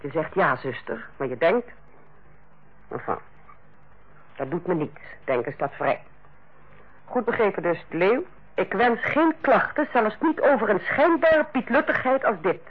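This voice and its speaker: An actress playing a stern, sarcastic head nurse who lectures and bites in a Dutch radio play. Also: female voice, mid-range voice, animated, unhurried, pauses often, slightly rough. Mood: cold, commanding. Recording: muffled old radio play recording.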